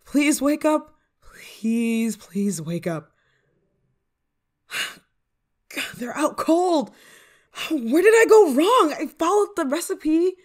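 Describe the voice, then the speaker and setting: A woman's voice: on the high side, big pitch swings, drawn-out words, long pauses, darkish tone, full character voice. A woman playing a flustered, affectionate novice witch in an ASMR roleplay, speaking in a hesitant, fretful way. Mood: panicked. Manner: hesitant, stammering, fretful, sighing. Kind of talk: ASMR roleplay monologue to the listener.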